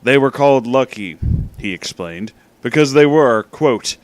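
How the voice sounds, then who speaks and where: A man's voice: medium pitch, lively intonation, unhurried, dry recording, low-quality recording. A man hosting in a casual, informal way, with emphatic, dramatic delivery. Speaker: host reading fan fiction aloud. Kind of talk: casual comedic storytelling.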